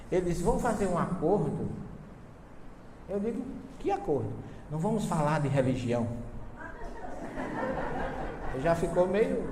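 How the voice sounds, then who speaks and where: A man from Northeastern Brazil with a Northeastern accent, giving a lecture on Bible translations to a live audience, telling stories lively, acting out dialogue and questioning his listeners. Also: on the high side. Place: large hall. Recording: echoey hall with long reverb, faint noise.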